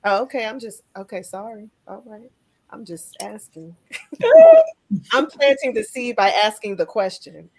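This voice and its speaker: A woman's voice: medium pitch, big pitch swings, unhurried, warm tone, husky, low-quality recording. A woman hosting a casual interview in an enthusiastic, affirming manner. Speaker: podcast host.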